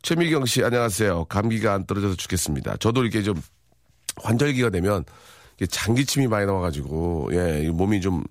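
Playful, lively Korean radio host man. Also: fairly low pitch, fairly quick, no room sound, studio quality. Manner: playful, jokey, acts out voices and shouts. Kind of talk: casual radio chat reading listener messages.

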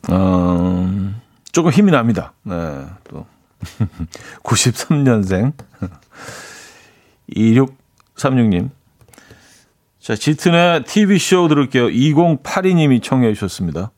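A man's voice: medium pitch, very animated, slow, long pauses, a little mellow, no room sound. A man hosting a radio show in a casual, chatty way, laughing at his own jokes and reading out listener messages in a studio. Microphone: studio microphone.

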